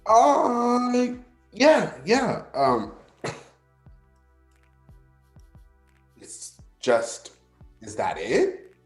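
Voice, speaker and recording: A man's voice: very high-pitched, huge pitch swings, very slow, heavily acted. A man playing a flirty, sardonic but insecure gay man in a staged play reading, with a teasing, dramatic delivery. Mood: upset. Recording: roomy sound, faint music behind.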